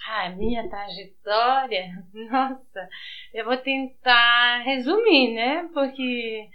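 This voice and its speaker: A woman's voice: fairly high pitch, slow pace, dull audio. A woman from France with a Brazilian Portuguese accent, talking in an explanatory, informal way as an interview guest. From France, grew up on the outskirts of Paris. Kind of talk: informal interview, telling life story.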